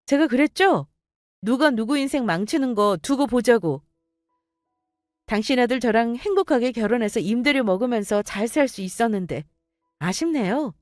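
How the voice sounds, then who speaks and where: A young woman narrating a dramatized story in a sharp, indignant way. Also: a little high, dry recording, studio quality.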